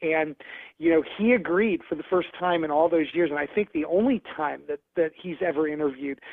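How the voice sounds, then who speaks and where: A man with an unremarkable speaking voice, ordinary pitch variation and a fairly quick pace. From Ohio, US Midwest. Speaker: film writer, director and producer. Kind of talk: interview.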